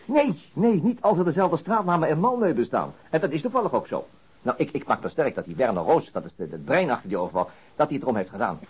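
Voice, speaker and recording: An actor playing a wry, easily amused police detective in a radio drama, talking in an animated, conversational way. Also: male voice, a little high, fast, husky, full character voice. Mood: admiring. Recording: dull lo-fi old radio recording.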